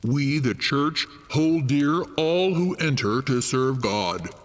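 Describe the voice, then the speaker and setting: A man's voice: medium pitch, animated. A man playing a formal, solemn church official reading out a letter in a storybook tale, his voice in long reverb. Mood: solemn admonishing. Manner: formal, measured.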